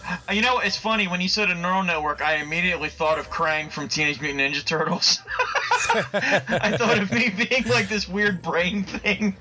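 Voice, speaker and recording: On a comedy podcast, this co-host laughs a lot and curses freely while wandering into goofy, paranoid tangents. His voice is high, bright and forceful at a normal speed, and the recording is rough.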